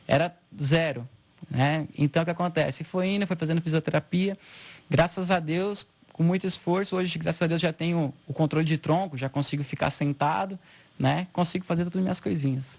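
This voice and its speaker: Gravelly man telling his story. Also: fairly high pitch, brisk. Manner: animated, acts out quoted dialogue. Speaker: interviewee, spinal injury patient. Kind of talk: emotional personal storytelling.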